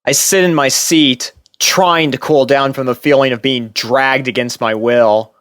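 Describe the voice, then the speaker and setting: A man reading fan fiction as a first-person narrator, expressive and theatrical. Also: medium pitch, measured pace, no echo, studio quality.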